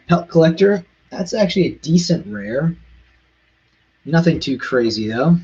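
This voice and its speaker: A man chatting casually on a live stream, rushing in quick bursts and stumbling over foreign words. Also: medium pitch, dull audio, slight background noise. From Canada.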